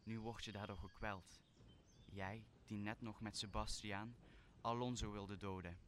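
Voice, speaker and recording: A student actor playing a solemn, wronged sorcerer who turns to forgiveness in a Shakespearean radio play, with deliberate, declamatory delivery. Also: male voice, fairly low pitch, fairly even intonation, a little hiss or hum, natural voice. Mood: stern, forgiving.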